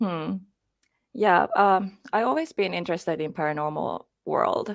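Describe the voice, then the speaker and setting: A woman with a Finnish accent speaks at a fairly slow pace. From Finland. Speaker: paranormal video creator. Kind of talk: interview. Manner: halting.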